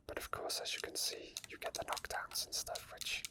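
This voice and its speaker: A man whispering unscripted ASMR gameplay commentary in a breathy, unvoiced murmur with hesitant asides. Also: normal speed. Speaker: game streamer.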